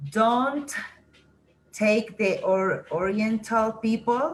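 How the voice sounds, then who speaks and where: A woman with a non-native accent talks at a fairly high pitch with ordinary pitch variation. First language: not English. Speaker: English student. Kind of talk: classroom game. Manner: halting.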